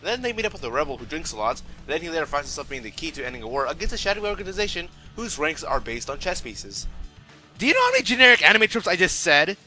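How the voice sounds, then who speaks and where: A man's voice: a little high, huge pitch swings, quick pace, music in the background. A man giving a casual, opinionated video review as host, irreverent, sarcastic and slangy in his delivery.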